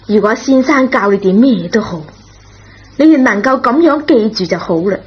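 A woman playing a forgiving, gently reproving schoolteacher in a Cantonese radio drama, with a husky, rough voice. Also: a little high, lively intonation, a little slow, exaggerated voice. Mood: wry, probing. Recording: dull lo-fi old radio recording.

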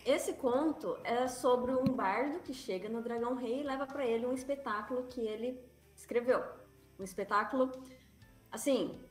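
Woman author, high voice, eager explainer, roomy echo on the mic. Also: moderate pace, faint music behind. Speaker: guest writer. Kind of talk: casual panel chat on a live stream.

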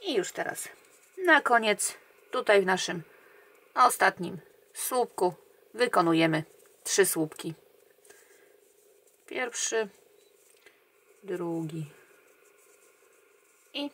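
A woman guiding viewers through a crochet pattern step by step, counting stitches aloud in a calm, quiet way that often trails off. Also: fairly low pitch, very slow, pauses often. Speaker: crochet tutorial host.

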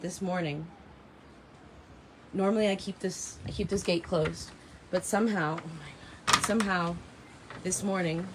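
Outdoors on the open porch of a house beside its garden, a woman in her thirties chats casually and dramatically to live stream viewers, repeating phrases for emphasis. Her fairly low, slightly bright voice is raspy from heavy singing, captured on a phone held at arm's length in a noisy outdoor recording.

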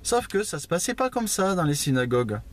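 A man's voice: high-pitched, very animated, brisk. A man giving an informal Bible teaching at a house church, conversational, with many fillers and asides. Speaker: preacher.

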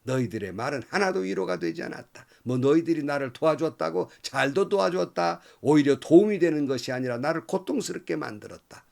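A man's voice: a little high, huge pitch swings, moderate pace, creaky, hardly any pauses, darkish tone, voice pushed up, exaggerated voice. A man voicing a bitter, mocking sufferer. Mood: bitter sarcastic. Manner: mocking, reproachful. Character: bitter, sarcastic suffering man answering his friends.

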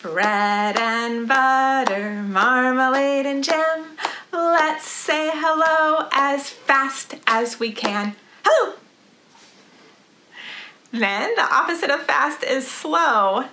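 A middle-aged woman leading a storytime for young children in an animated, rhythmic sing-song delivery, recorded in a living room. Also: high-pitched, slight background noise. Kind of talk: children's storytime read-aloud.

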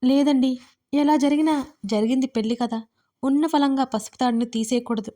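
A woman voicing a frightened, tearful but stubborn young bride who pleads softly in an audio storybook. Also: high-pitched, normal speed, lightly acted. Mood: pleading, tearful.

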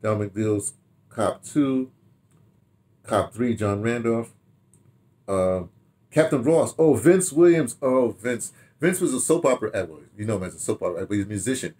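An American man in his sixties reminisces casually in a rambling, halting way, repeating words and throwing in animated asides, recorded in a home study. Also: fairly low pitch. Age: 60s. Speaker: radio drama director telling his history. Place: small home study, indoors.

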